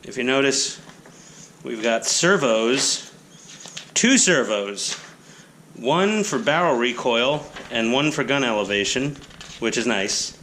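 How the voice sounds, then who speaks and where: A man's voice: medium pitch, animated, takes it slowly, long pauses, bright, forceful tone, a little hiss or hum. A man with a nasal voice rambling casually and self-deprecatingly while unboxing a hobby kit on an action camera. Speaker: hobby channel host.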